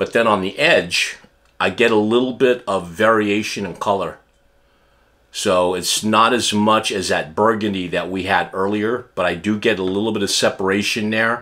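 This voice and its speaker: A man speaks at a fairly slow pace in a fairly low pitch with a bright, sharp tone. His intonation is fairly even, and the background is quiet. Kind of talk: wine tasting commentary. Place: home room. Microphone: camera far.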